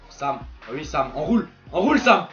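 A young man gives casual, excited commentary on a football video game, slangy and prone to swearing and exclaiming at plays. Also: fairly high pitch, normal speed. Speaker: gaming video creator playing a football game. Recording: dull lo-fi voice track with music behind.

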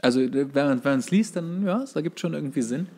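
A man co-hosting a podcast in casual conversation, often halting as he searches for words. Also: a little high, lively intonation, darkish tone, a little hiss or hum. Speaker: podcast co-host. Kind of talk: casual podcast chat about cartoons.

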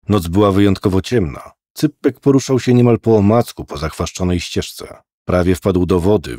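A man narrating a horror audiobook in a measured, dramatic storytelling manner. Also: low-pitched, warm tone, no echo, studio quality. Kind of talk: scripted narration.

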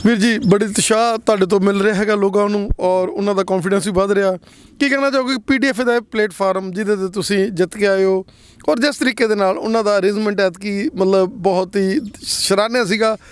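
High-voiced middle-aged male interviewer. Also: fairly even intonation, fairly quick, clean tone. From Punjab, India. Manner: polite, formal questions. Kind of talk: on-camera interview. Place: outdoor dairy farm. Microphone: handheld mic.

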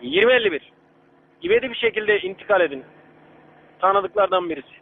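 A man's voice: sits high, very animated, fairly quick. A man working as a radio dispatcher over a walkie-talkie, calling out unit codes and giving terse, urgent orders. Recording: tinny radio with static.

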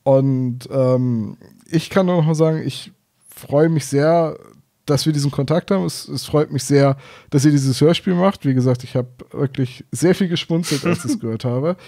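A man's voice: a little high, moderate pace, mellow. A man hosting a podcast, chatting casually in an interview and often searching for his words. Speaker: podcast host.

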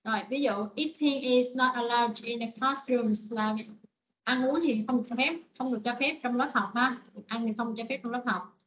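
A woman teaching an online vocabulary lesson, repeating words slowly and explaining in short phrases. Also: fairly high pitch, fairly even intonation, fairly bright tone, highs cut off. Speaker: English teacher.

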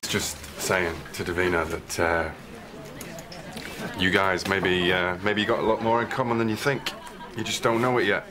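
Actor doing brusque boss, middle aged, really low voice, tv drama, busy restaurant behind. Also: male voice, steady tone, moderate pace, crowd noise, natural voice. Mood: awkward. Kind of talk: naturalistic TV drama acting.

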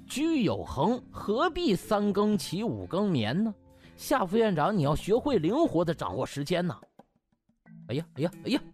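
Man playing a cocky young doctor, theatrically mock-concerned. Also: on the high side. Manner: theatrical, mock-solicitous, wordy. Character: cocky young male doctor mockingly feigning fawning concern.

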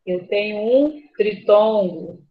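Slow, patient woman teacher. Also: medium pitch. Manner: slow, patient, spells words out. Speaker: primary school teacher. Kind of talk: online class review. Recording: slightly muffled lo-fi audio.

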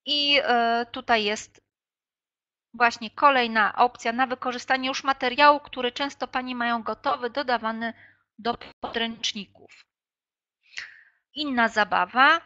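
Bright-voiced woman leading an online workshop. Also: a little high, steady tone, measured pace. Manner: hesitant, many filler sounds. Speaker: teacher trainer. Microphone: video call. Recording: dull lo-fi online call audio.

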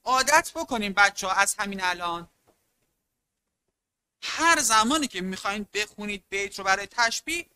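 A teacher runs an online exam-prep lesson with a piercingly bright, sharp voice. Key terms get stretched out slowly for emphasis, and the students are called on again and again. The pitch sits right in the middle. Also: clear, resonant tone. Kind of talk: online class lecture.

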